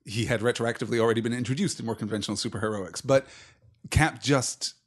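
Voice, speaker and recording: A man's voice: medium pitch, fast. A man co-hosting a casual discussion podcast, speaking in a thoughtful, analytical and articulate way. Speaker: podcast co-host. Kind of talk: casual film and comics discussion.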